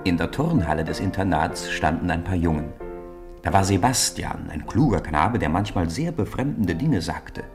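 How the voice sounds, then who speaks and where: Very deep-voiced male storyteller. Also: moderate pace, over music. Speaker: narrator. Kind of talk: scripted storytelling narration for a children's radio play.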